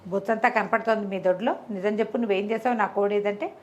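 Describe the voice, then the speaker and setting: A woman's voice: medium pitch, steady tone, fast, muffled recording, lightly acted. An aggrieved orphan boy from a village folk tale, acted out by a woman storyteller. He is insistent, accusing and pleading, speaking. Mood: upset, accusing.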